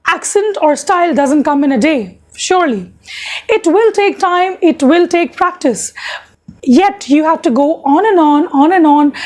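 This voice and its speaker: High-pitched Indian English woman coaching. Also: a little mellow. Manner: repetitive and earnest, with frequent fillers. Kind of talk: casual spoken lesson to camera.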